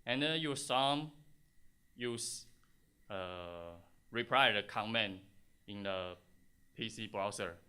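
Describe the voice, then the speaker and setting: Slow, halting Taiwanese-accented man presenting. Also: on the low side, pushed and bright, clean tone. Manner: halting, hesitant delivery in non-native English with frequent pauses. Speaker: conference speaker, software test engineer. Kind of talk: conference tech presentation.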